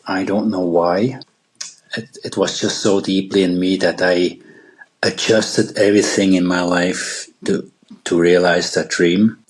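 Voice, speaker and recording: A middle-aged man from Switzerland with a Swiss accent, a guest telling his story in a podcast interview, pausing often and restarting his sentences. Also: deep voice, fairly even intonation, poor audio. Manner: halting, with frequent pauses and restarts. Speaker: guest wildlife photographer.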